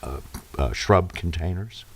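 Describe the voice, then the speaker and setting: A man with a low voice chairs a council meeting. He speaks slowly and deliberately, with halting questions in a meeting room. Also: slightly rough.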